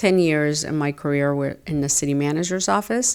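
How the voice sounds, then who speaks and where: Recorded very cleanly against a silent background, a woman with an American accent speaks at a very deep, low pitch. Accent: Egyptian-tinged American English. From Egypt, Cairo. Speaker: city clerk, politician. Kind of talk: interview.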